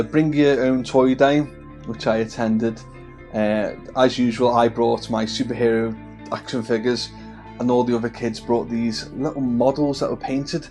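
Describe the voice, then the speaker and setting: A man's voice: mid-range voice, dark tone. A man in his thirties from the Wirral, with a Scouse-tinged accent, chatting casually to camera as the host of a hobby channel, friendly, with many fillers and restarts. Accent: Wirral, with a Scouse twang. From the Wirral, England. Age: 30s.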